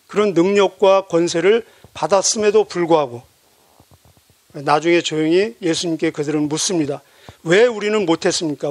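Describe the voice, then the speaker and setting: A man preaching a sermon as pastor, measured and emphatic, asking rhetorical questions of his listeners. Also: sits high, dry recording.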